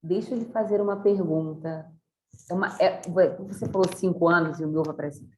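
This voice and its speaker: A woman's voice: lowish voice, fairly quick. A woman teacher leading an online class discussion in a chatty, encouraging way, with many fillers. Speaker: university teacher. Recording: echoey room with faint noise.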